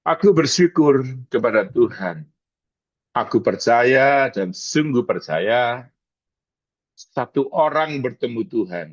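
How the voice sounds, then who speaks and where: A male pastor from East Java preaching and praying with slow, dramatic emphasis, mixing in English words, heard over a video call. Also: mid-range voice, lively intonation, dry recording. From East Java, Indonesia. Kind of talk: emotional sermon and prayer. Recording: dry, dull video-call audio.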